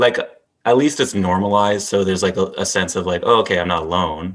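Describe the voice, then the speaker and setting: A normal speaking voice from a man, fairly low-pitched, with ordinary pitch variation. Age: 30s. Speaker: podcast host. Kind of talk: casual interview. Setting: video call.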